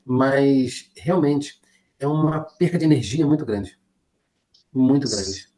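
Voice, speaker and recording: A man's voice: medium pitch, expressive, slow, warm tone. A man taking part in an online class, speaking candidly and self-deprecatingly about himself, with laughter in his talk. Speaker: class participant. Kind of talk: casual comment in an online class.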